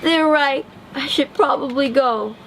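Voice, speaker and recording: A woman's voice: sits high, a little slow, a bit bright, a little hiss or hum, voice pushed up. A woman voicing a sad, lonely young male duckling who feels unwanted. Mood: forlorn. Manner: plaintive, forlorn.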